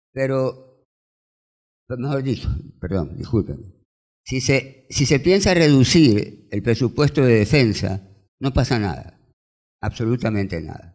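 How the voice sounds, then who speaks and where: Lively intonation from a man with a medium pitch and vocal fry. He speaks at a fairly slow pace with long, frequent pauses. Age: 60s. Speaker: maritime law expert. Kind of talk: conference talk.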